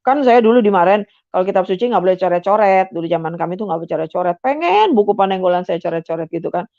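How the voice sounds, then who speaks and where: A woman's voice: lowish voice, lively intonation, very fast, warm tone, no echo. Older woman, testimony guest, chatty storyteller, dull dry recording. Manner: chatty, acts out remembered dialogue, many fillers. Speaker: guest giving a conversion testimony.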